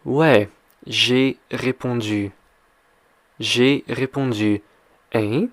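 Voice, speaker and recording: A man's voice: mid-range voice, very slow, smooth, no echo, studio quality. A man teaching French, reading a story aloud and quizzing the listener with simple, repeated questions. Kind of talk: slow question-and-answer reading lesson.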